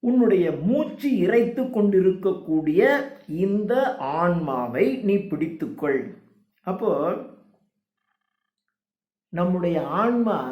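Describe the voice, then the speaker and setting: A high-pitched man with a Tamil accent, lecturing on a poem in a slow, deliberate way. He draws out the English lines with heavy emphasis and then explains them briskly. The sound is roomy and echoey. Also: dull audio. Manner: reads English lines slowly and with emphasis, then explains fast in casual speech. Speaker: literature teacher.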